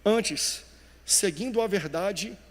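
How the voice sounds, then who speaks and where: A male pastor preaching a sermon with animated emphasis, dropping quiet and then rising loud. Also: sits high, slow pace, in a large hall.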